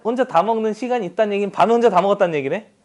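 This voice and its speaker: His voice sits high and he talks very fast as he runs a math class. The tutor is chatty and teasing, often asking the students for agreement amid the banter.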